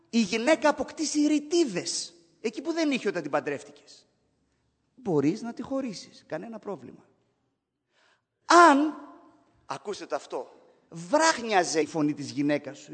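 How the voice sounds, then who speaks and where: A man's voice: sits high, big-room sound. A man preaching a sermon, explaining points emphatically in a conversational way and asking the congregation rhetorical questions. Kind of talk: sermon, Bible teaching.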